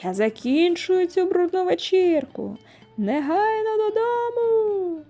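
A woman plays a strict mother turned giant red panda in a storybook, roaring her scolding in a loud, raised voice. The tone stays mellow underneath and sounds a little distant at times. Quiet music plays behind. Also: sits high, normal speed, voice pushed up, natural voice.

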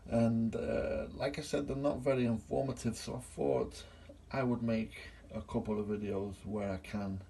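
Gravelly man explaining boiler tests. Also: on the low side, fairly even intonation, moderate pace, few pauses, warm tone, a little hiss or hum. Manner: plain step-by-step explaining, filming on his own phone. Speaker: gas engineer. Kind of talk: hands-on repair demonstration. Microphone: phone camera held in hand.

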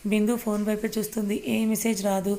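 A woman storyteller reading a story aloud in a steady, even manner. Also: mid-range voice, quick pace. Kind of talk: read-aloud story narration.

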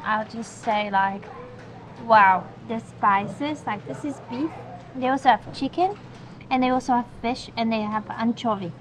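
Female travel vlogger, high voice, eager casual explaining, recorded with heavy rain behind. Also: unhurried. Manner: eager, explaining plans and food. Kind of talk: casual vlog talk. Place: open-air eatery in rain. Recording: loud rain noise behind.

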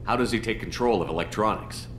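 An actor playing a tough space soldier commander in a video game, blunt and terse. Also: male voice, fairly low pitch, quick pace, noisy background, lightly acted. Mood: stern, questioning. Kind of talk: scripted video game dialogue.

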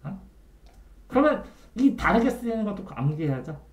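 Lively Korean man tutoring a student. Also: sits high, moderate pace. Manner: quizzing the student with frequent checks for understanding; trailing off quietly at the ends of phrases. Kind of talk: one-on-one Korean grammar tutoring. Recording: echoey room.

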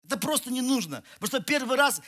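Bright-voiced pastor telling a funny story. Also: male voice, very high voice, lively intonation, fast. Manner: chatty storytelling, self-mocking, many restarts; walks the stage, gesturing. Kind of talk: sermon with humorous personal story. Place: large church hall with audience. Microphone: headset mic.

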